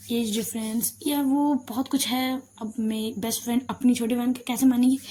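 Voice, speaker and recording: A woman's voice: a little high, warm tone. A woman narrating a love story casually, chatty and informal with fillers. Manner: chatty, addresses listeners as "bhai".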